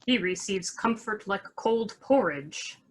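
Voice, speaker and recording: A woman playing a mocking, sharp-tongued scheming lord in a Shakespeare radio play, with a dry sarcastic delivery. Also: medium pitch, lively intonation, slow.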